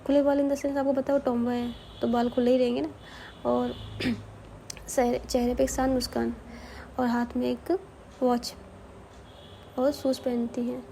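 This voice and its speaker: A woman telling a love story in a casual, chatty way, with asides to the listener and quick self-corrections. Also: a little high, little pitch movement, gravelly, mellow, slight background noise.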